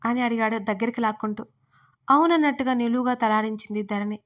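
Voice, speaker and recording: Woman storyteller, scripted audio story narration, fairly high voice, voices each quote lightly. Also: fast talker. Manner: reads every part in her own voice, quotes lightly voiced.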